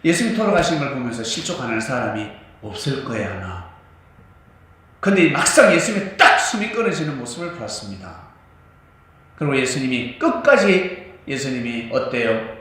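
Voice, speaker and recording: A man preaching a sermon as a pastor, animated and scolding at times, recorded in a church. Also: medium pitch, moderate pace. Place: church sanctuary. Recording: echoey church hall, mic at a distance.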